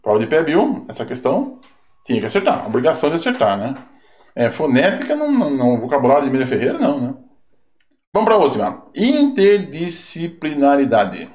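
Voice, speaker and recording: Brisk and fairly high-pitched, with a slightly mellow tone and wildly swooping pitch, this Brazilian Portuguese-accented man goes over exam answers in an online class. He keeps it casual, throwing in rhetorical questions and tag words, while the room echoes around him.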